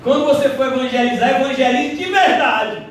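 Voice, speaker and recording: A man preaching a sermon as pastor, animated, mimicking the voices of doubters, recorded in a church hall from a distance. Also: very high-pitched, fairly quick, a little hiss or hum. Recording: echoey hall, heard from a distance.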